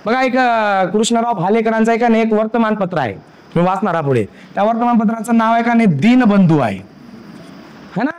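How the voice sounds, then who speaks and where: A man's voice: high-pitched, expressive, brisk, a little mellow, clean tone. A man teaching a grammar lesson for exam preparation, repeating points and often checking that students understand. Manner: repetitive, checks understanding with frequent questions.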